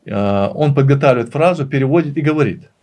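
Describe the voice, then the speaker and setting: Earnest man with a mid-pitched voice, explaining. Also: animated, quick pace, a little mellow. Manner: earnest, emphatic repetition of phrases. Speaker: interview guest, language teacher and author. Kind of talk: conversational interview, explaining and reminiscing.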